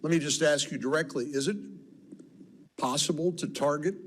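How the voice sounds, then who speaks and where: A man putting questions at a hearing in a deliberate, probing way. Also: a little high, a bit bright, slight background noise. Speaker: senator questioning.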